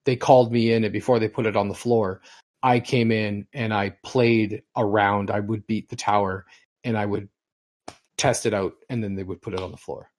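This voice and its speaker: A man in his forties hosts a laid-back podcast, talking in a voice that sits right in the middle of the range. He rambles through long personal stories, looping back and repeating himself as he goes. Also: mid-range voice. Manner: rambling storyteller. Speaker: podcast host. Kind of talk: casual chat.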